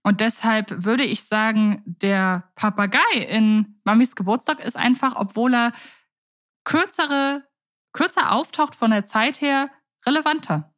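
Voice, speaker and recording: A woman's voice: fairly high pitch, fairly bright tone. German woman co-hosting a chatty podcast. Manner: thoughtful, self-correcting, measured. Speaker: podcast co-host. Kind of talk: casual chat about radio plays.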